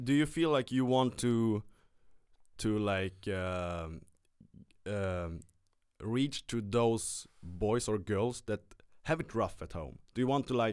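With a Swedish accent, a man speaks at a very slow pace in a fairly low pitch with lively intonation. Long, frequent pauses fill the very clean recording, its background silent. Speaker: podcast host. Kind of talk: casual interview in English; podcast intro in Swedish. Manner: halting English.

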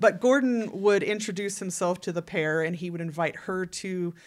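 Recorded very cleanly against a silent background, a woman talks in an Oklahoma accent. Her pitch is medium and her pace moderate. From Oklahoma, Stillwater. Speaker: museum historical interpreter. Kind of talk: casual chat.

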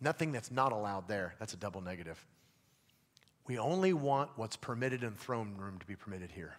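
Animated in tone, a man with a fairly low pitch talks at a fairly quick pace with lively intonation and big swings in loudness, on a very clean recording with a silent background. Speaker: guest preacher. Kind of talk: sermon. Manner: fast.

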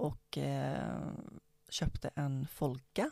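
A woman's voice, dry and close with no echo. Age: 30s. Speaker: journalist and public speaker. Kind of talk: life story interview. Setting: in-person recording at guest's home.

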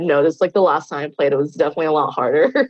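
This woman's speech races along very fast, her intonation lively. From Japan. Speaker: rave model. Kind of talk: casual chat.

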